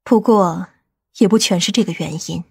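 A woman playing a composed, authoritative middle-aged aunt in audiobook drama dialogue, speaking in a measured way. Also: fairly low pitch, vocal fry, slightly rough, heavily acted. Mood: gentle, reflective.

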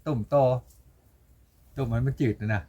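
A man's voice: medium pitch, moderate pace, mellow. Older Isan man, plain talk. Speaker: villager interviewee. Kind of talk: casual chat.

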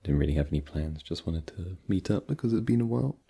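In an ASMR roleplay, a young man plays a relaxed, easygoing young-adult boyfriend having friends over, using a full character voice that's low, gravelly, warm, and slightly rough. He talks quickly and expressively, hesitating with plenty of fillers, then gets teasing.

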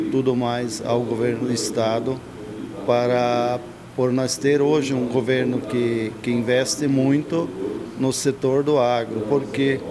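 An older man with a Brazilian accent giving a halting TV interview answer into a handheld microphone. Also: mid-range voice, noisy background. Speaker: farm association interviewee. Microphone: handheld reporter microphone. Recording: busy crowd behind.

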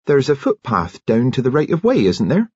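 A man's voice: mid-range voice, wildly swooping pitch, normal speed, breathy edge, no room sound, highs cut off, pitched above the performer's own voice. A man voicing a cheery, no-nonsense village nurse, a woman, in a storybook, with a comfortable, chatty manner. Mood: brisk, chatty. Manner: bright, comfortable, professionally chatty.

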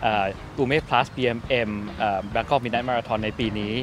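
A middle-aged man speaking as a company representative in an outdoor press interview, measured and full of hesitant fillers. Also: mid-range voice, fairly even intonation, slight background noise. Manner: measured, many fillers and polite particles. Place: outdoor park at an event. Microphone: press microphones held close.

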